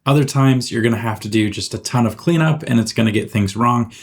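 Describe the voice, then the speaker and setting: A man narrating a software tutorial in an informal, step-by-step way, as the host. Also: medium pitch, brisk. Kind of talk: casual screen-recorded software tutorial narration.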